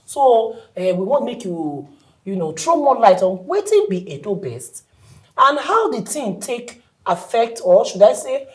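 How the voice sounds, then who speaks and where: A woman's voice: fairly high pitch, sing-song, a little slow, low-quality recording. A woman with a Nigerian accent co-hosting a studio talk show, bantering teasingly in Pidgin and English. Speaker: co-host. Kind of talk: playful radio-style chat in Pidgin and English.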